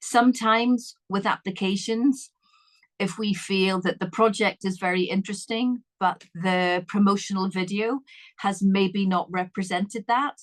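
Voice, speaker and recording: In an Irish accent, a woman speaks at medium pitch and a fairly slow pace with fairly even intonation, the sound dry and close with no echo against a quiet background. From Ireland. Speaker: info session presenter for an arts network. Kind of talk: online info session Q&A.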